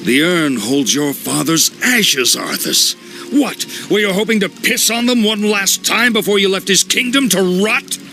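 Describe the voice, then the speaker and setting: A man's voice: sits high, animated, unhurried, bright, forceful tone, soft background music, full character voice. An actor playing a bitter older male paladin, speaking in a scornful, indignant way. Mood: contemptuous. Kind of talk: video game cutscene acting.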